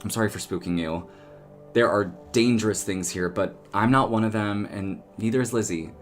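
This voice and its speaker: A man acting a protective young townsperson in an audio drama, casual and earnest, given to gentle scolding. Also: lowish voice, normal speed, soft background music, natural voice. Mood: earnest, reassuring. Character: protective, exasperated young male cryptid townsperson.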